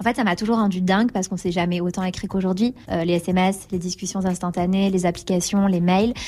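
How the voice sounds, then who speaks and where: A woman's dark, mellow tone at a medium pitch, with monotone, flat intonation and a fairly quick pace. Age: 20s. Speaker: author and former book editor. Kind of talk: recorded interview.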